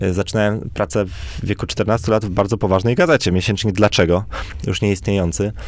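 A man talks at a fairly quick pace in a plain, everyday voice. His pitch is fairly low, with ordinary pitch variation. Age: 20s. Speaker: journalist. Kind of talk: interview.

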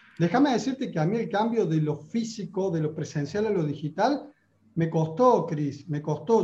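Slow-ish and lively, a man talks with an Argentine accent. His dark, mellow tone carries at a fairly slow pace with lively intonation. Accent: Argentine Spanish (voseo). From Argentina. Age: 40s. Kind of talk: interview conversation.

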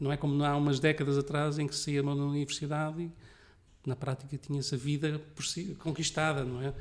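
This man's voice sits at a fairly high pitch. His delivery is fairly quick and monotone, with flat intonation. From Lisbon, Portugal. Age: 50s. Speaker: law graduate and public commentator. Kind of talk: interview conversation. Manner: hesitant, many fillers and repetitions.

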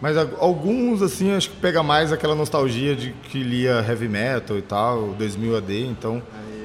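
A man's fairly slow, lively-intoned speech with hardly any pauses, against noticeable background noise. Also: medium pitch for a man. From Franca, São Paulo state, Brazil. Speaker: comic artist. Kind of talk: casual chat.

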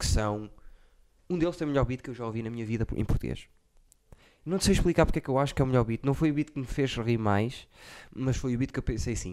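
A man at a very fast pace with long, frequent pauses, in a very clean recording with a silent background. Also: medium pitch for a man, ordinary pitch variation. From Guarda, Portugal. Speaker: podcast host and comedian. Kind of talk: casual comedy chat.

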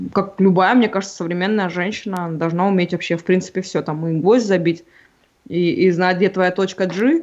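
A woman's medium-pitched, unremarkable speaking voice, at a moderate pace with fairly even intonation. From Kazakhstan, Karaganda. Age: 30s. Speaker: writer and journalist. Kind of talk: casual chat.

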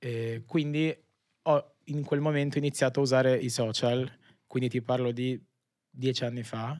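Long, frequent pauses break up a man's moderate pace. His medium-pitched voice stays monotone and flat. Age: 20s. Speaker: digital artist. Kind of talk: casual chat.

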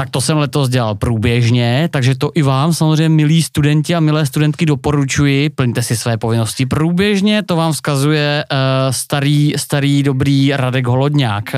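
A man talks at a moderate pace with hardly any pauses, his loudness very even. His pitch is fairly high with ordinary variation, captured in a very clean recording with a silent background. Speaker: podcast host, doctoral student. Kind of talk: casual chat. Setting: small home studio, seven people.

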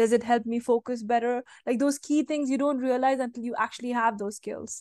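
Against a quiet background, a woman with a plain, everyday voice speaks at a fairly high pitch with fairly even intonation, the sound dry and close with no echo. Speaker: podcast interviewer. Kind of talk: interview conversation.

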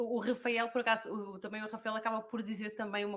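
A woman with a fairly high pitch talks in a European Portuguese accent with monotone, flat intonation. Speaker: podcast host. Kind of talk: live-streamed business podcast chat. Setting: live stream.

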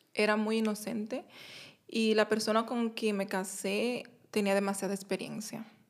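A woman talks at a moderate pace, her fairly high voice monotone and flat. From Dominican Republic, Santiago Rodríguez province near Haiti border. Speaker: interview guest, immigrant. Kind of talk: interview, personal life story.

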